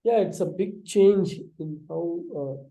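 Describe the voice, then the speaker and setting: A man asking questions as a student, halting and repeating words as he searches for phrasing. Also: fairly high pitch, gravelly, warm tone, poor audio. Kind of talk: hesitant questioning in a study session.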